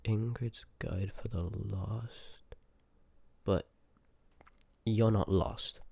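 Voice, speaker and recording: A man's voice: fairly low pitch, fairly even intonation, drawn-out words, gravelly, mellow, breathy edge, no room sound, exaggerated voice. A man voicing a rude, sarcastic, reluctant sorcerer of a haunted house in a scripted ASMR roleplay, grumbling and dismissive, close on the microphone. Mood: grudging, dry.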